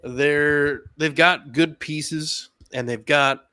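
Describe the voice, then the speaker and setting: A man's voice: on the high side, fairly even intonation, extremely slow, bright, forceful tone, smooth, no room sound, clean studio sound. A man with a Southern US accent co-hosting a casual sports podcast, reading stats with easy hesitations. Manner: laid-back, reads injury lists with hesitations. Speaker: podcast co-host.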